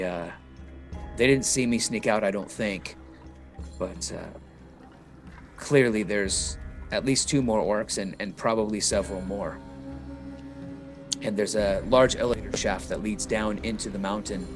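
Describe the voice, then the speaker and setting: Low-voiced man hesitantly describing his character. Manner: hesitant, many fillers and restarts. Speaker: player. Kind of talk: tabletop role-play chat.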